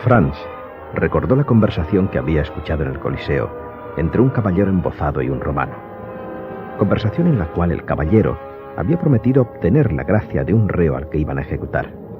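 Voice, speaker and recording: A man's voice: extremely low pitch, sing-song, fairly quick. A man narrating an audiobook drama in a scripted, suspenseful storytelling style. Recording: dull recording under clear music.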